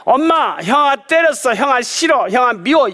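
A man's voice: expressive, moderate pace, pushed and bright, heavily acted. A man voicing a whiny little boy who complains to his mother about his older brother. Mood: whining. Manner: high whining child voice.

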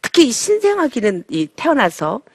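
Middle-aged woman, church parenting talk, lively swooping pitch, slightly high. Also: normal speed, breathy edge, no room sound, clean studio sound. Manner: lively, acts out babies' and mothers' voices. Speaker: Christian parenting speaker. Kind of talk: sermon-style lecture on parenting.

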